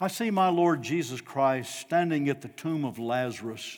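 A man's very slow delivery with lively intonation. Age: 80s+. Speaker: preacher. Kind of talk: sermon. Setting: church.

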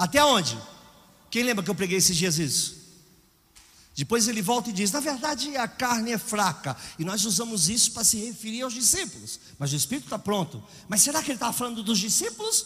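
A man's bright, sharp voice rides high in pitch, moving at a fairly quick pace with lively intonation. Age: 50s. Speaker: pastor. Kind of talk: sermon.

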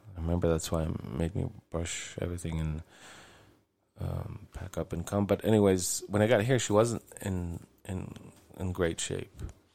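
In a very clean recording with a silent background, a man with a very deep, low pitch and a dark, mellow tone talks at a moderate pace with long, frequent pauses. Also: ordinary pitch variation. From United States (born in Israel, raised in the US). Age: 40s. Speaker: podcast host. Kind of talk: casual monologue. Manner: halting, many fillers.

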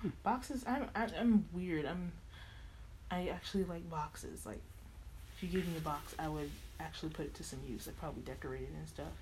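With audible room echo, a woman talks at a fairly quick pace, pausing long and often. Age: 20s. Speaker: rapper and producer. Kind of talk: casual chat.

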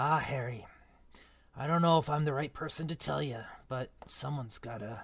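A woman in a put-on character voice talks at a moderate pace, extremely low, with vocal fry, a slightly husky edge and ordinary pitch variation.

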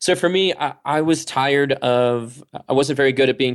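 With an American accent, a man speaks in an unremarkable speaking voice with fairly even intonation. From Massachusetts. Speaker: fitness blogger and author. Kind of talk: casual interview.

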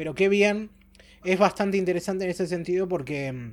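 Using a normal speaking voice, a man talks at a fairly quick pace with ordinary pitch variation. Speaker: anime podcast host. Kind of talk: casual chat.

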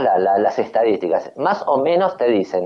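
A man's voice with vocal fry, a fairly slow pace and very wide pitch swings. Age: 50s. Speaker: regular commentator. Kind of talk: opinionated radio chat. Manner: animated.

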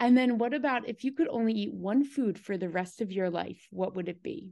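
A woman with an ordinary speaking voice talks at a fairly quick pace with lively intonation. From New Jersey, US. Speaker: podcast host. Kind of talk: interview.

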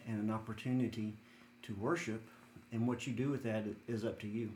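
A man with a Tennessee accent speaks at a medium pitch. His delivery is fairly quick, with monotone, flat intonation. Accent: Southern US (Tennessee). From West Tennessee, US South. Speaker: doctor and former missionary. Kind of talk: testimony.

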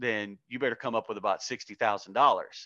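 A man with an Appalachian accent at a fairly quick pace. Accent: Southern US, Appalachian. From US South, Alabama and Appalachia. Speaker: homesteader and activist. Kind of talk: casual interview conversation.

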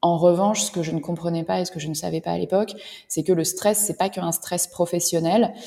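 A woman talks at a very fast pace in a fairly low voice. Noticeable background noise is present. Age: 30s. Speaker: yoga teacher and former lawyer. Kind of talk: interview conversation. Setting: studio. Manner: hesitant, many fillers.

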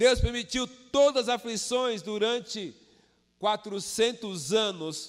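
A man speaks at a very slow pace in a high voice. His pitch variation is ordinary. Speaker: pastor. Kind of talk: sermon.

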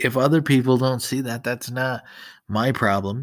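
A man with a plain, everyday voice talks at a moderate pace with fairly even intonation on a very clean recording with a silent background. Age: 30s. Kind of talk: casual monologue.

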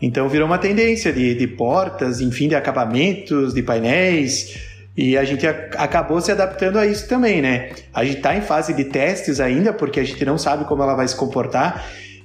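Speech comes at a moderate pace with lively intonation and very even loudness. Audible room echo and noticeable background noise are present. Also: man, fairly high pitch for a man. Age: 30s. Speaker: furniture manufacturer director. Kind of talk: casual podcast interview. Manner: hesitant, many fillers.

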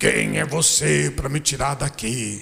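In a put-on character voice, a man sounds raspy and gruff at a medium pitch, moving at a fairly slow pace with very wide pitch swings. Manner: menacing, challenging.

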